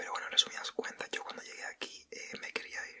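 A man whispering at a fairly quick pace. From Spain. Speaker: ASMR creator. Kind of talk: ASMR story time. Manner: whispered. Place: home room.

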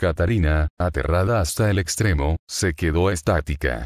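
A man talks with a very deep, low pitch, lively intonation and vocal fry. The recording is very clean with a silent background and a dry, close sound with no echo. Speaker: horror story narrator. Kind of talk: spooky ghost-story narration, hushed and suspenseful, building dread. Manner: slow, measured, dramatic pacing with ominous pauses; grave, foreboding tone.

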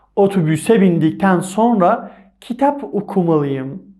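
Lively intonation marks this man's high-pitched voice. He keeps a moderate pace. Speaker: language teacher. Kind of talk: tutorial.

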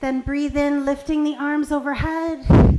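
Fairly slow delivery with a flat, monotone intonation. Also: woman. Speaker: yoga instructor. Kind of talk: guided yoga instruction. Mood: calm, soothing.

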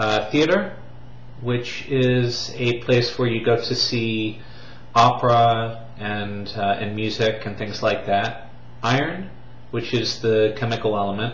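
A man at a fairly slow pace, medium in pitch with fairly even intonation, amid light background noise and audible room echo. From Texas and Ohio. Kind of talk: casual talk to camera. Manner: hesitant, many fillers. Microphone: webcam.

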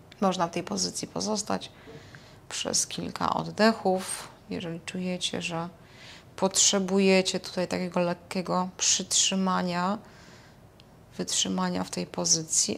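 A woman talks fairly slowly with light background noise behind her. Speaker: fitness instructor. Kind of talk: exercise tutorial instruction. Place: home room.

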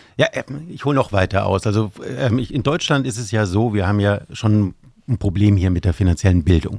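Against a quiet background with a dry sound and no echo, a man with fairly low pitch talks at a moderate pace with ordinary pitch variation. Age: 50s. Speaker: professor of sustainable finance. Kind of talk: casual interview conversation. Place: studio. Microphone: studio mic.

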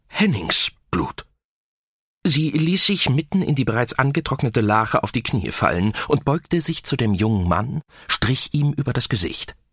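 At a fairly slow pace, a man with a medium-pitched voice and vocal fry moves through very wide pitch swings while his loudness stays very even, recorded dry and close with no echo. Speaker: audiobook narrator. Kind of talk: audiobook reading, dramatic narration. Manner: tense, urgent, emotionally charged.

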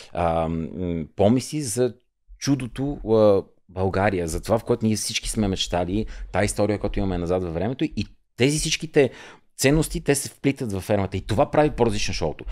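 Against a quiet background, a man talks at a moderate pace. His fairly low pitch carries lively intonation. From Bulgaria, Rhodope region (Velingrad); Bulgaria. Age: 40s. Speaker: reality show contestant; podcast guest. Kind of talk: casual interview chat. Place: studio. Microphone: studio mic.

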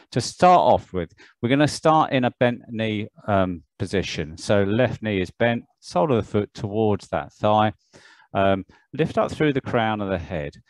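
A man speaks at a fairly low pitch and a fairly slow pace. The sound is dry with no echo, over a quiet background. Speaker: yoga teacher. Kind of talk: tutorial. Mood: calm, gentle. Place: home room. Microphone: headset.

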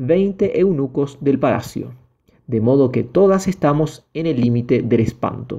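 A man in a dramatic tone, lively in intonation, at a moderate pace. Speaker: audiobook narrator. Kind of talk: audiobook reading aloud, dramatic narration. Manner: dramatic, urgent, with tension and emotion; first-person storyteller voicing characters' dialogue.

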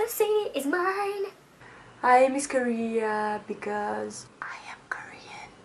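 A woman speaks at a high pitch and a very slow pace, with very wide pitch swings and big swings in loudness. Light background noise can be heard. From France. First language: French. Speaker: YouTuber. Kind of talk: casual vlog monologue. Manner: hesitant, with filler sounds. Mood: playful, wistful. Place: home room. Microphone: phone near.

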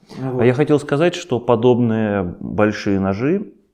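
Quiet background behind a man's dark, mellow tone. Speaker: knife channel host. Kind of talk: casual interview chat. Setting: studio.

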